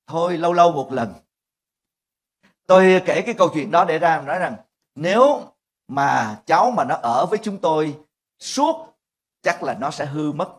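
An older man, a pastor, preaching a lively sermon and acting out family squabbles in voices. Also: fairly high pitch.

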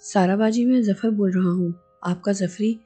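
A woman's voice: medium pitch, fairly even intonation, moderate pace, dark tone, breathy edge, faint music behind, close to an everyday voice. A woman voicing an anxious younger brother on a phone call, with pleading, earnest delivery.

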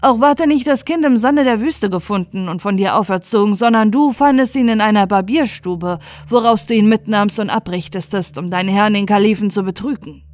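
A woman's voice: mid-range voice, a little fast, hardly any pauses, a little mellow, no room sound, lightly acted. A woman voicing a stern male grand vizier who firmly accuses a servant, in a fairy tale audiobook. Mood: accusing. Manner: firm, accusing, emphatic.

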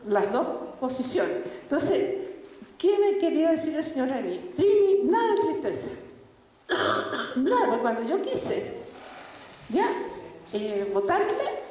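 A woman, telling personal faith stories in an animated way, laughing often and acting out the people she quotes. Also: high voice. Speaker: speaker giving a faith testimony. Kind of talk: religious talk with personal stories. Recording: echoey hall with faint background noise.

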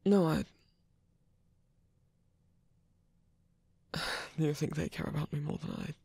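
A man playing a tired, wounded villain softening toward a lover in an intimate ASMR roleplay, breathy and hesitant, often half-whispering close to the mic. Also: fairly high pitch, no echo, full character voice. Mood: weary, reflective. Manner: hesitant, halting, with long pauses and sighs. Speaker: ASMR voice actor. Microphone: close microphone, dry.

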